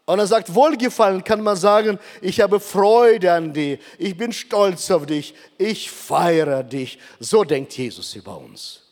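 An older man preaching a sermon, emphatic and slowing down for dramatic pauses. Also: high-pitched, animated, a little mellow, in a large hall.

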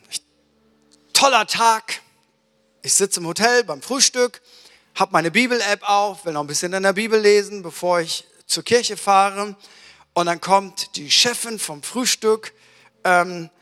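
A man preaching a sermon in a lively storytelling way, acting out little dialogues as he goes. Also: sits high, unhurried. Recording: reverberant hall.

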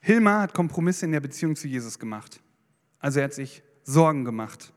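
A man preaching a lively sermon, acting out prayers as he tells the story. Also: fairly high pitch, brisk. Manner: lively, dramatizing with acted-out prayers. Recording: long hall reverb with faint guitar.

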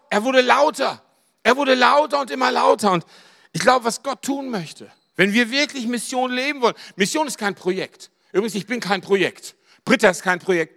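High, bright-voiced preacher man. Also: gravelly. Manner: dramatic, rising to near-shouts on emphasized phrases and dropping low for asides. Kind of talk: sermon.

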